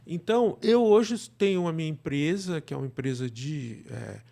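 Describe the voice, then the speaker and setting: A middle-aged Brazilian man speaking casually as an interview guest, illustrating his points with imagined remarks in an animated conversational way. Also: a little high, moderate pace, vocal fry. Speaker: guest, director and cultural producer.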